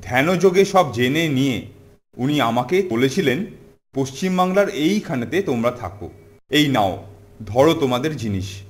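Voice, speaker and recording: A man's voice: mid-range voice, lively intonation, moderate pace, natural voice. A man playing a solemn, pious wandering holy man in a children's cartoon, with formal, grandiose old-fashioned speech. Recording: music behind the voice.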